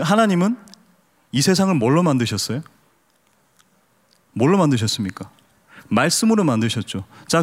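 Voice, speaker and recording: A man pastor preaching a sermon with humor, questioning the congregation and asking them to raise their hands. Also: mid-range voice. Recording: long hall reverb.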